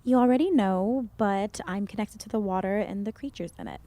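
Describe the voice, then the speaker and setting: Woman acting a mellow, gentle teenager. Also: mid-range voice, brisk, no room sound, close to an everyday voice. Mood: calm. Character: gentle, caring adolescent with water powers. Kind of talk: audio drama acting.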